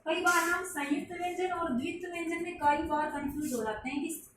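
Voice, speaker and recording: A woman's voice: very high-pitched, fairly quick. A woman teaching a Hindi grammar lesson to children, patiently repeating points and calling her listeners child. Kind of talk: classroom lesson explaining to children. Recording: very echoey room, mic at a distance, faint hiss.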